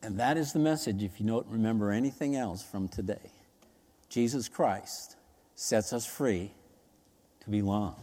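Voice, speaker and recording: A man with an American accent, medium pitch, and a dark, mellow tone, at a moderate pace with long, frequent pauses and ordinary pitch variation, in a very clean recording with a silent background. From Minnesota. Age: 60s. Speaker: pastor. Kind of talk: sermon. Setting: church.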